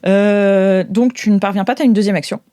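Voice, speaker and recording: A woman's voice: mid-range voice, fairly even intonation, moderate pace, dark tone, dry recording. A woman running an improvised tabletop game, narrating casually and hesitantly as she thinks aloud. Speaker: game master.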